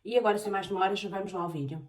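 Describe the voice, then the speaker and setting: A woman from Portugal with a European Portuguese accent, chatting casually in a question-and-answer vlog, often pausing on filler sounds. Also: medium pitch. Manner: hesitant, many filler sounds. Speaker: vlogger. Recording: voice a bit far from the mic.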